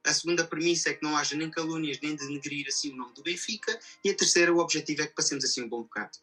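Fast, husky Portuguese man hosting an interview. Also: on the high side, pushed and bright, soft background music, low-quality recording. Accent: European Portuguese. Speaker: interview host. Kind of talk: conversational podcast interview, explaining at length.

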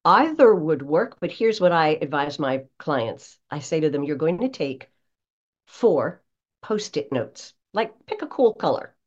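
Woman voice coach chatting through tips, really animated delivery, slightly muffled lo-fi sound. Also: sits low, measured pace. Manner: animated, emphatic, instructive. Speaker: voice coach, podcast guest. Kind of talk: conversational coaching advice.

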